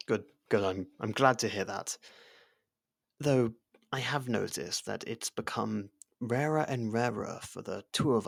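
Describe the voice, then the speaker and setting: A man playing a loyal servant and close friend to royalty in an ASMR roleplay, hesitant, deferential and familiar, gently teasing. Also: on the low side, gravelly, exaggerated voice. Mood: concerned, probing. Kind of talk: ASMR roleplay audio drama.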